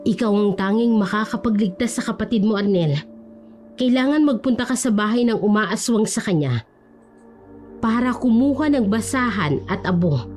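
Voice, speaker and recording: A woman voicing an older village healer woman who gives calm, serious instructions. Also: mid-range voice, moderate pace, faint music behind, close to an everyday voice. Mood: grave. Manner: grave, instructing.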